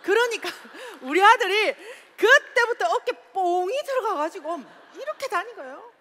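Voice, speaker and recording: Bright, lively woman on stage. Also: very high voice, normal speed. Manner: loud, exclaiming, laughs often. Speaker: seminar speaker. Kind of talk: motivational seminar talk. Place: large seminar hall. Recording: reverberant hall.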